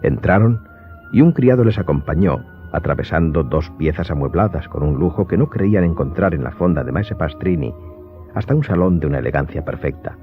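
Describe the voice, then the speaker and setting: A man's voice: rumbling low, expressive, brisk. A man narrating an audiobook drama in a scripted, suspenseful storytelling style. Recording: dull recording under clear music.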